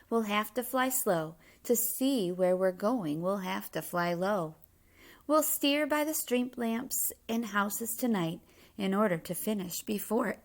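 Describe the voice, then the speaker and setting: A woman voicing a commanding, fretful old Santa Claus from a children's storybook, declaiming instructions in rhyme. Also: medium pitch.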